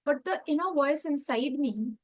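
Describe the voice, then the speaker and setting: An Indian woman in her thirties speaks with a slightly high voice and a clear Indian English accent. She tells a personal story in an earnest, reflective way and often restarts her sentences as she goes. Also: lively intonation, moderate pace. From Calcutta, India. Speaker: educational speaker at a club meeting.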